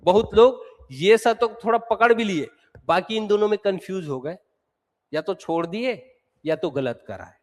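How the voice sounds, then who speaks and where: A man's voice: high-pitched, animated, normal speed, darkish tone. A male teacher giving an exam-prep lecture, explaining step by step and repeating sounds aloud to drill them. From Chhattisgarh, India. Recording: long hall reverb.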